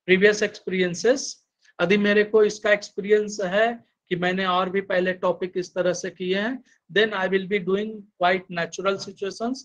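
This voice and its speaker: A man's voice: sits high, level tone, measured pace, fairly bright tone, low-quality recording. A man giving a lecture, mixing Hindi and English and explaining through many examples.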